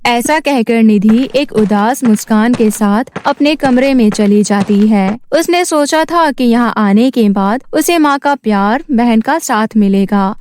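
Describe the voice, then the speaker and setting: A woman's voice: fairly high pitch, a little mellow, smooth, no room sound, clean studio sound. A woman reading scripted narration as the storyteller of a children's moral tale.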